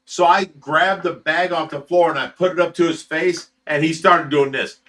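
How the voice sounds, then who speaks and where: Bright-voiced man in his sixties. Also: on the high side, steady tone, normal speed, far from the mic. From Ohio, USA. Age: 60s. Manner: rambling storyteller, swears freely and laughs often. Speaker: fish rescue host. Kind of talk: casual livestream chat reading viewer comments.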